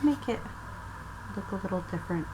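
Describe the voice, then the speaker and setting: A woman's voice: medium pitch, lively intonation. A woman narrating a casual craft tutorial, thinking aloud as she works at a table at home, her voice sometimes turning away from the camera mic. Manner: slow, thinking aloud while working. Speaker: craft vlogger. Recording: audible background noise.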